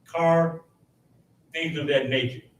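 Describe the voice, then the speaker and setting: A man's voice with vocal fry at a fairly slow pace. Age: 60s. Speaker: city commissioner. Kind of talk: public meeting remarks. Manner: animated.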